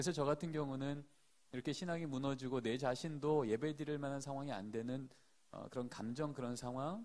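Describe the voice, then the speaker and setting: The man's pitch is fairly high, with ordinary pitch variation. He moves at a fairly quick pace. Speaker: professor. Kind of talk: lecture. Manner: fast.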